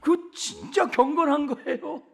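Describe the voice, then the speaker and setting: A man preaching a sermon from the pulpit. He drops to hushed whispers, then repeats words loudly for emphasis, and keeps asking the congregation questions. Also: very high voice, a little slow, creaky. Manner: swings between hushed whispers and loud emphatic repetitions; conversational, asks the congregation questions. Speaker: pastor. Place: church sanctuary pulpit.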